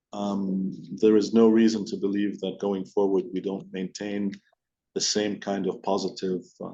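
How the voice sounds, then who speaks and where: Exec guy on an earnings call, mellow voice, measured w/ pauses, kinda muffled audio. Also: on the low side. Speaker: company executive on an earnings call. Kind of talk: answering investor questions. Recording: dull, lo-fi conference call audio.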